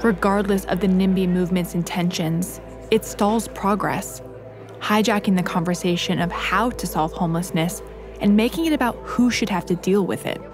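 A woman host reading a serious, measured documentary narration. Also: medium pitch. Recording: voice-over over music.

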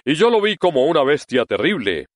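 A blunt, angry tin woodcutter, as a man reading the story voices him, close to the reader's own voice but with a wide, lively tone. The recording is close and dry. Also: on the high side, a little fast, no echo, voice pushed up. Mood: indignant.

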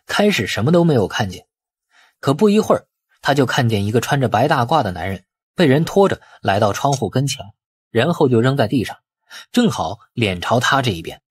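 A man's voice: medium pitch, very animated, brisk, breathy edge, no echo, clean studio sound. A man reading a suspense novel as a dramatic audiobook narrator.

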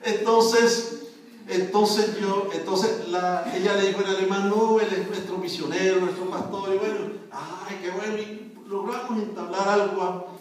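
A man's voice: high voice, steady tone, a little slow. A man preaching as a pastor, telling a missionary story and breaking into "glory to God" exclamations, with a congregation heard in a church hall. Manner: testimony with frequent "Gloria al Señor" exclamations. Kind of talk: sermon. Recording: echoey hall from far off with congregation.

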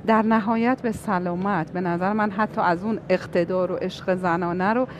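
A woman's voice: on the low side, steady tone, background noise. A woman hosting a TV interview, asking long, carefully phrased questions and giving encouraging replies. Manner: articulate, long winding questions, warm affirmations. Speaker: interviewer host.

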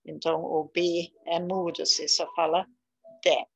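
A woman's voice: lowish voice, little pitch movement, vocal fry, husky, highs cut off. A woman from southern Brazil with a gaúcho Brazilian Portuguese accent, patiently teaching beginners English pronunciation and repeating each word. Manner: slow, patient, repeats words for learners. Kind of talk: casual beginner English lesson.

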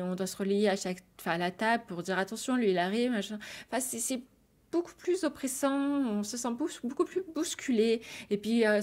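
A woman's voice: medium pitch, a little mellow. Chatty French woman vlogger voice-over. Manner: chatty, many fillers and restarts. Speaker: vlogger reviewing restaurants. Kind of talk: voice-over review, partly read descriptions.

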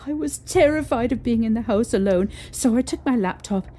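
A woman playing a frightened young mother in an audio drama, recounting a haunting with halting, emotional delivery. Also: fairly high pitch, mellow, lightly acted. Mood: shaken, haunted. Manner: halting, emotional storytelling with trembling pauses. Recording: eerie music behind.

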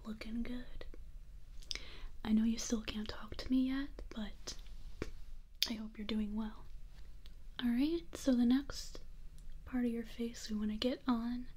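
A young woman in her twenties doing a whispered role-play as a face clinic worker, speaking softly, gently and reassuringly from a small bedroom. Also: a little high, fairly even intonation, unhurried, pauses often, slightly rough. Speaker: ASMR artist.

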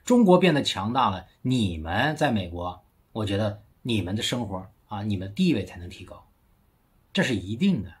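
A man from China delivers a casual political commentary into his phone, emphatic and mocking. His husky voice swings widely up and down as he leans on rhetorical tag questions. It sounds like a solo vlog recorded indoors. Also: on the low side, big pitch swings, moderate pace.

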